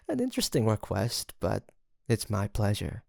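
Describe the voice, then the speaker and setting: A man's voice: fairly low pitch, creaky, a little mellow, dry recording, studio quality, heavily acted. A man playing a seductive, teasing incubus demon in an intimate audio roleplay, with a theatrical, flirtatious drawl and a smug, sweet-talking manner.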